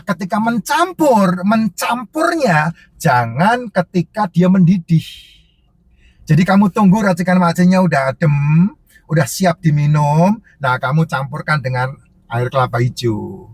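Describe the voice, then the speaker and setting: A man's voice: a little high, expressive, unhurried, breathy edge, no echo. A man who sells herbal drinks, answering viewer questions in casual, emphatic, repetitive advice that lists point after point.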